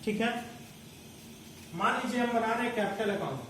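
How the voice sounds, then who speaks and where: A man's voice: very high-pitched, moderate pace, a bit bright. A man teaching an accounting lecture, explaining step by step and calling his students "beta". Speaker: commerce teacher. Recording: very echoey room, distant mic, faint noise.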